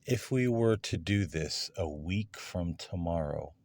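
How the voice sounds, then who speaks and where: Very deep-voiced, slow-talking man. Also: lively intonation, gravelly, a little mellow, no echo. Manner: deliberate, measured, with long pauses between phrases. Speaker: host, paranormal investigator. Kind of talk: addressing spirits aloud in a recorded session, questioning.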